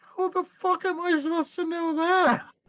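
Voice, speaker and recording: An extremely high-pitched, put-on character voice speaks at a moderate pace. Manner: menacing, sinister.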